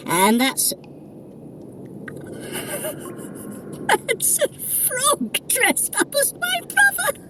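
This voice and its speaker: An actress playing a haughty, mischievous trickster god in an audio adventure, theatrical, arch and wry as they guide a runner. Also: female voice, high-pitched, noisy background, heavily acted. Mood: gleeful. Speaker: voice actor guiding a running workout. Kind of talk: in-character audio adventure narration.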